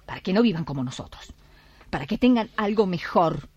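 Radio drama role: Argentine wife and local activist, fiery, emphatic, lowish voice with wide swings. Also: female voice, expressive, brisk, darkish tone, husky. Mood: indignant, defiant. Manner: emphatic, reproachful, with rhetorical questions. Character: weary, fiery wife and neighbourhood water activist. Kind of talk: Spanish-language radio drama acting.

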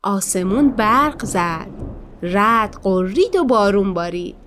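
A woman narrating a children's story with expressive, animated delivery. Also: mid-range voice, a little hiss or hum. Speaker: storyteller host.

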